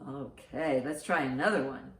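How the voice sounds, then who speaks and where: A woman with a rumbling low voice reads aloud at a moderate pace, hosting storytime and posing riddles to young children. She's encouraging and reacts to their answers in a big, exaggerated way. The sound is roomy and echoing.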